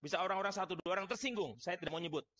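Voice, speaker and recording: A priest with an Indonesian accent telling a dramatic story in a sermon, often calling out to the congregation. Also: male voice, high voice, rapid-fire, bright, forceful tone.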